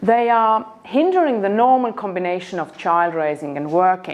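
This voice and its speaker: Lively intonation from a woman with an Estonian accent. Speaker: politician. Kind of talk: conference talk. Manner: halting.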